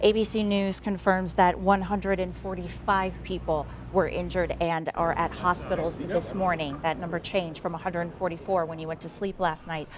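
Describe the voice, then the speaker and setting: A woman's voice: on the low side, level tone, normal speed, few pauses, a crowd in the background. A woman anchoring a live local morning TV newscast, talking to viewers directly in a conversational way.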